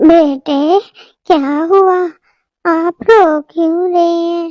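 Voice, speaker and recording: A squeaky, female-sounding cartoonish character voice at an extremely high pitch and a very slow pace. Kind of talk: cartoon kids' story.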